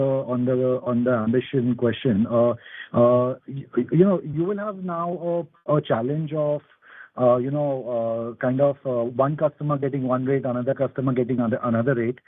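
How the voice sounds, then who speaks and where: A man's voice: mid-range voice, moderate pace, no room sound. A man asking questions as an analyst on a conference call, hesitant and hedging in his phrasing. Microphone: telephone. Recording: dry, narrow phone line.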